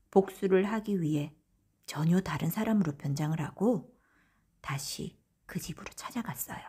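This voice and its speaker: A woman narrating a bedtime folktale as an audiobook storyteller, gently, often letting phrase ends fade toward a whisper. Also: fairly low pitch, husky.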